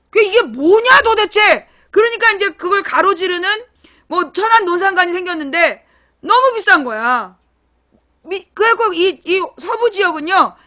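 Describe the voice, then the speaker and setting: A woman's voice: extremely high pitch, sharp tone. A middle-aged woman from Seoul, talking bluntly through a casual political monologue, ranting and swearing casually as she explains. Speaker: political internet broadcaster.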